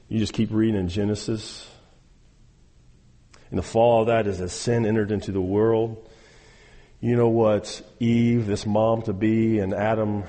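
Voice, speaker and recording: A man's voice: lowish voice, dark tone, big-room sound. A man preaching a sermon, emphatic and exhorting, repeating phrases and speaking straight to his listeners. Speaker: pastor.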